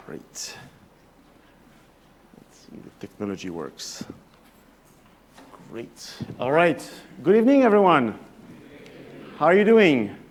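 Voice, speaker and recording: A man's voice: a little high, huge pitch swings, takes it slowly, long pauses, some chatter behind, slight background noise. Hesitant French man giving a talk. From France. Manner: chatty and hesitant, often restarting phrases. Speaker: guest lecturer, professor. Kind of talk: evening talk to a live audience.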